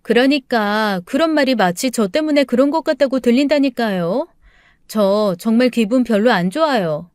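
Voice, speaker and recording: A woman doing a defensive, sharp-tongued young wife in a spoken story. She fires back in a raised, high voice, clear and smooth, with no room around it. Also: animated, moderate pace, no echo, clean studio sound, natural voice. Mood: indignant. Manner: snappish, indignant retorts.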